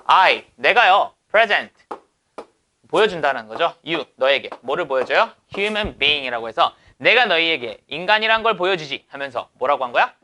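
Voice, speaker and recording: Lively, bright-voiced male teacher. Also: a little high, normal speed. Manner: asks rhetorical questions and answers them. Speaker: English teacher. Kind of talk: lecture explaining exam passages.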